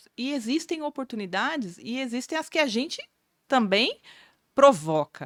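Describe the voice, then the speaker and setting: The voice makes very wide pitch swings and big swings in loudness. Long, frequent pauses break it up. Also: woman, high pitch for a woman, moderate pace, very clean recording, silent background. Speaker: podcast host. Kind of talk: podcast interview hosting.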